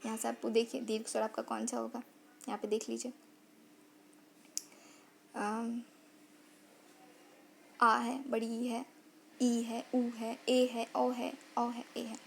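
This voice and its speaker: A woman's voice: a little high, monotone, slow, gravelly, pauses often, a little hiss or hum. A woman teaching grammar in an online lesson, sounding out vowels and repeating phrases as she explains.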